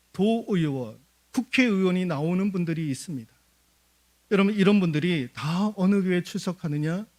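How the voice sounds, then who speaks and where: A man delivers a church sermon with a high voice that rises and falls constantly. He keeps asking the congregation questions and answering them himself, in a lively preaching manner. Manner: animated preaching with rhetorical questions; addresses the congregation often. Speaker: pastor. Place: church service.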